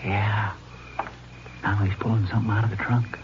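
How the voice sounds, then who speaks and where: A man's voice: fairly low pitch, flat delivery, normal speed, background noise, close to an everyday voice. Man playing a folksy sheriff, muffled old radio. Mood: hushed, puzzled. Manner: folksy, colloquial. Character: plainspoken small-town western sheriff, loyal sidekick. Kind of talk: 1950s radio western acting.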